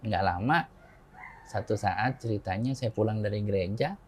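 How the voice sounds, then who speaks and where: A man in his forties from Indonesia, an interview guest telling a personal story in a relaxed conversational way, acting out quoted dialogue in a raised voice and chuckling often. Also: fairly low pitch, normal speed, a little hiss or hum.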